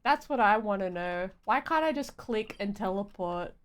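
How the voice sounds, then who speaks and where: A woman's voice: mid-range voice, expressive, moderate pace, clean tone. A woman chatting casually on a gaming livestream, playful and often repeating her phrases. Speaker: game streamer.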